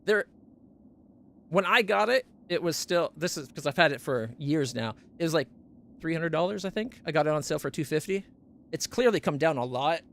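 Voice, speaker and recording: Close on a studio condenser mic at home, a man streams and chats casually about his gear, rambling, correcting himself, and stumbling over names. His voice isn't very deep and has a creaky quality, with lively intonation at a normal speed.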